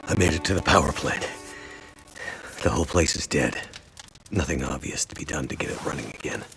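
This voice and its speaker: An actor playing a weary, reluctant captive pilot in a video game, gravelly and husky, with dry sardonic delivery. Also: male voice, rumbling low, a little fast, fairly bright tone, soft background music, full character voice. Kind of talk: video game cutscene acting.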